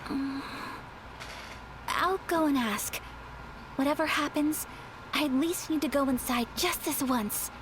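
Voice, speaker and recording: A woman voicing a gentle, polite young noblewoman in a video game, soft-spoken and formal. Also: high-pitched, unhurried, long pauses, background noise. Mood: calm. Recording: game audio with background music.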